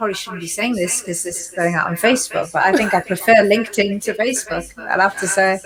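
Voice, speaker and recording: Over noticeable background noise, a woman rushes along very fast with hardly any pauses, her medium-pitched voice fairly even in intonation but swinging widely in loudness. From North East England (Geordie, Tyneside). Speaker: author and business coach. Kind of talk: casual interview chat. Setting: Facebook Live video call.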